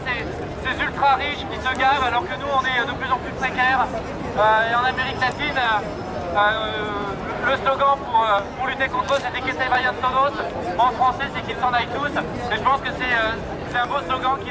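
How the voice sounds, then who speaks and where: A man giving a hesitant, impromptu speech to a public gathering outdoors. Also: very high-pitched. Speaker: protest speaker. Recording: noisy outdoor crowd, loud street ambience.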